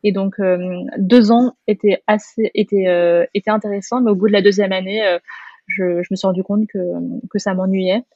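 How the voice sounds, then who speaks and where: A woman in her thirties talks casually as a podcast guest, with many fillers and a relaxed, chatty flow. The audio is dry and slightly dull. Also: medium pitch, normal speed, dry recording. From France. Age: 30s. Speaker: guest, restaurant founder. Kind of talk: casual interview chat.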